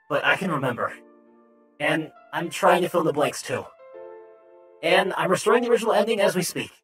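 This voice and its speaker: A man voicing a gentle, hesitant computer entity in a glitchy voice with jumping pitch, as part of a game playthrough. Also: husky.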